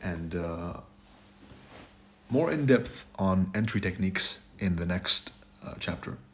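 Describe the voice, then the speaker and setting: Hoarse low-voiced man lecturing bluntly. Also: lively intonation, slow. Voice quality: raspy. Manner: blunt, repeats "right?" and "it's your fault". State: hoarse, sore throat. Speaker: trading instructor. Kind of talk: lecture over slides.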